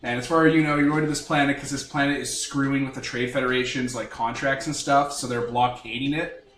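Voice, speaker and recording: Wry game master, echoey and distant. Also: male voice, mid-range voice, fairly even intonation, fairly quick, fairly bright tone. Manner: wry, jokey scene-setting. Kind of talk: narrating a tabletop game.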